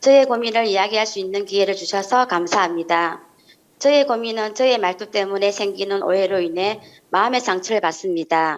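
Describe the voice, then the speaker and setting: Speaking with a strong Gyeongsang accent, a woman talks at a fairly quick pace with a medium pitch and ordinary pitch variation. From Korea, Gyeongsang region. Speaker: counselor, audience questioner. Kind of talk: reading a prepared question. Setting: hall with audience. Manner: fast.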